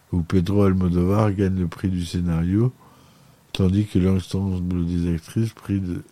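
Male podcast host, low dark voice, dry close sound, reads a chronicle and often trips and corrects himself. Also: dry recording. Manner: reads aloud with frequent stumbles and self-corrections. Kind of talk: read film chronicle.

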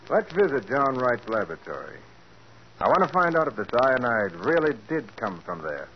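Actor playing a sharp calm private eye, lively intonation, muffled old broadcast. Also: male voice, mid-range voice, moderate pace, loud music behind the voice, lightly acted. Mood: assured. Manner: calm, assured questioning. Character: calm, clever male private detective. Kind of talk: 1940s radio acting. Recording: dull hissy 1940s radio recording.

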